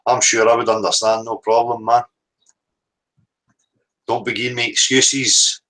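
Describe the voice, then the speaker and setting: A Northern Irish man hosts a live stream in a loose, rambling manner, drifting between thoughts and swearing now and then. His speaking voice sits at an everyday middle pitch. He sounds unhurried and reflective. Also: level tone, a bit bright. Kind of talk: casual live-stream monologue.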